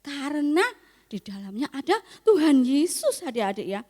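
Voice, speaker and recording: Woman, young adult, Sunday school teacher, lively coaxing, high voice, long echo. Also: moderate pace. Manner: lively, coaxing, talks to kids. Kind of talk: children's Sunday school lesson. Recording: echoey hall.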